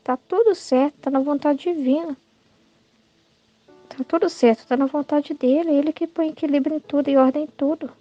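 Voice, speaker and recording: A woman's voice: high voice, steady tone, moderate pace, dry recording, dull audio, soft background music. A Brazilian woman giving informal Catholic spiritual teaching, talking conversationally, often adding "né?" and acting out quoted thoughts. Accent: Brazilian Portuguese.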